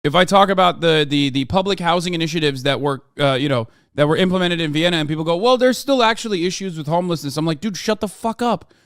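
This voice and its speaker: A man's voice: fairly high pitch, quick pace, hardly any pauses, fairly bright tone, no room sound, studio quality. An American man streaming, reacting to a video with heated, profane ranting commentary. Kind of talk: casual livestream commentary.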